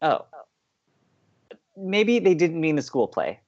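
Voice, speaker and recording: A man acts out an upbeat young college radio co-host in a podcast drama, a believer in romance. The delivery swings freely in pitch, earnest and playfully teasing. The audio is slightly dull. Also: very animated, takes it slowly, darkish tone, exaggerated voice. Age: young adult. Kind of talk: scripted audio drama banter.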